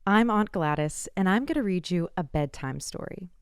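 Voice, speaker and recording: A woman hosting a scary story show, narrating a scripted bedtime tale in a measured, deliberate way with dramatic pauses. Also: lowish voice, expressive, clear, resonant tone, no echo, clean studio sound. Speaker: host of a spooky story podcast.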